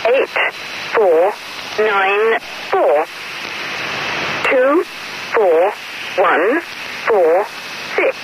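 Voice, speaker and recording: A woman voicing a cold, mechanical numbers station announcer, reading out digits in a flat numbers station monotone over a radio broadcast. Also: mid-range voice, drawn-out words, long pauses. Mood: detached. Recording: muffled lo-fi radio with loud static.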